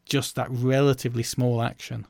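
Gravelly man, chatty and reflective. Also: mid-range voice, flat delivery, moderate pace, darkish tone, no room sound, clean studio sound. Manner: chatty, reflective, with fillers like "you know". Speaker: learning and development professional. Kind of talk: casual conversational chat.

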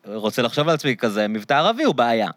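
A man's voice: mid-range voice, big pitch swings, fairly bright tone, dry recording. An Israeli-accented man speaks in a mid-range voice, recorded dry. He interviews casually, jumping in with explanations and checking for agreement.

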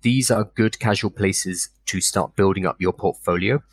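A British man from South London with a slight lisp, co-hosting a casual live stream and explaining things in a relaxed, wry way. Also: low voice, normal speed, slightly rough, no echo. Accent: British English, South London tinge. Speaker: co-host.

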